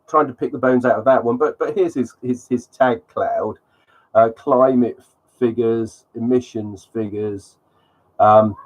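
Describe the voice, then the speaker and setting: A man's voice: mid-range voice, low-quality recording. A man with a cold, sounding sniffly, hosting a live stream and talking through slides in a rambling way with many ums. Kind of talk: casual live commentary on slides.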